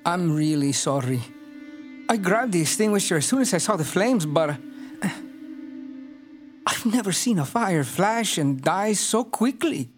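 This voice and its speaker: An actor playing an apologetic male storage worker who speaks slowly and hesitantly. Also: sits high, lively intonation, soft background music.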